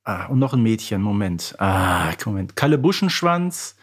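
Animated man in casual quiz banter. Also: lowish voice, moderate pace, slightly rough. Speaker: podcast panelist in a quiz.

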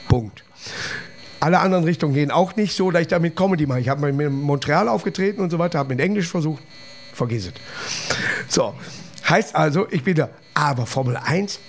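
A man's voice: a little high, expressive, a little fast. A man, a comedian hosting a casual chat who rambles and jokes at his own expense. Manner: rambling, jokey, self-mocking. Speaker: podcast host and comedian.

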